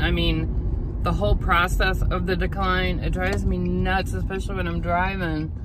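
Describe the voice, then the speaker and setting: A woman speaks at a moderate pace with ordinary pitch variation, her dry sound carrying no echo despite loud background noise. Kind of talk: casual vlog chat. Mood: mildly frustrated. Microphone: phone near.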